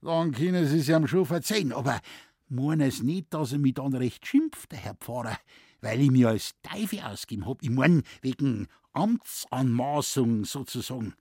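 A man's voice: mid-range voice, expressive, normal speed, warm tone, slightly rough, dry recording, studio quality. A man voicing a shrewd, earthy forest warden with a Bavarian accent and a guttural, folksy way of talking. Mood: sly.

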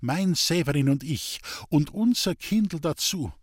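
Reading a storybook, a man voices a weary, bitter old village woman speaking Bavarian dialect, plaintive and resigned, pitching above his own voice into a higher, animated, slightly slow delivery. The studio sound is clean with no echo.

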